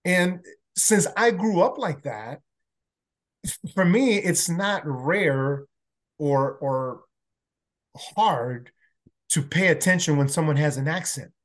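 A man's voice: fairly high pitch, expressive, slow pace, long pauses. A man from El Salvador with a faint Salvadoran Spanish accent, a native Spanish speaker, talking earnestly as a podcast guest and often restarting his words. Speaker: podcast guest, workplace learning consultant. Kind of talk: casual interview talk.

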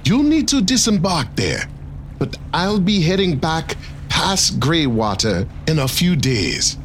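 Actor as stern skipper, audio drama, fussy, formal, unhurried, expressive intonation, faint boat ambience. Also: mid-range voice, slight background noise. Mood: stern, measured. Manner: formal, clipped, indignant.

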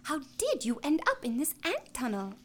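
An actress playing a calm, kindly woman leader who explains things at length and travels with her dog. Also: high voice, moderate pace, very noisy. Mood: friendly. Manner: polite and knowledgeable, prone to rambling.

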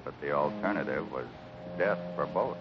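An actor playing a grave, kindly Western ranch boss, speaking slowly and solemnly in 1950s radio drama style. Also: male voice, extremely low pitch, animated. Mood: grim, solemn. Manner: slow, deliberate, solemn. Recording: muffled, noisy old radio recording.

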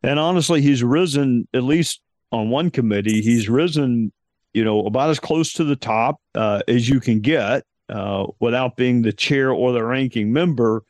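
A man hosts an interview podcast in a calm, measured voice. He speaks thoughtfully, with pauses and a few fillers. The sound is dry and close, with no room echo. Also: medium pitch. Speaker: podcast host. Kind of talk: conversational interview.

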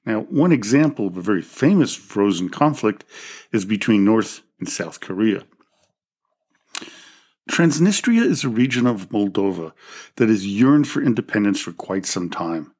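A man's voice: lowish voice, sing-song, moderate pace, a little mellow, breathy edge. A man hosting a history podcast, reading a scripted narration with the odd slip and self-correction. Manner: reads from a script with small slips and self-corrections. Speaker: podcast host.

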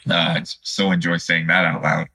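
A man in his fifties from Chicago, answering as a podcast guest in a conversational, halting and reflective way. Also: low-pitched, flat delivery, sharp tone, husky. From Chicago, United States. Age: 50s. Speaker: podcast guest, student physical therapist.

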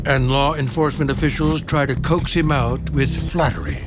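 A man's voice: medium pitch, normal speed. An American man narrating a true-crime documentary in a dramatic tabloid TV style, with a scripted delivery. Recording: music playing behind narration. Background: dramatic background music.

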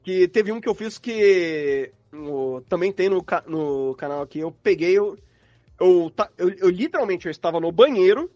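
A guest sound designer with a Brazilian accent talks about his craft in a casual interview, acting out his thought process at normal speed. His expressive voice sits high and is a little mellow. The recording is dry, with faint music behind.

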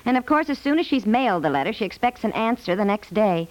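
A woman's voice: mid-range voice, animated, quick pace, close to an everyday voice, poor audio. An American woman playing a flustered, apologetic young wife and mother in a 1950s radio comedy, chatty and fretful. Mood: patient, explaining. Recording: 1950s radio broadcast recording.

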